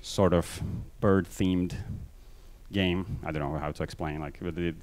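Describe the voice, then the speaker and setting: A man with a low voice and a Brazilian accent, mixed from living in many countries, speaks into a handheld mic on a large conference stage. He talks fast and loose, with constant fillers and self-deprecating asides. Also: steady tone, darkish tone. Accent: Brazilian Portuguese mixed. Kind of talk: conference talk.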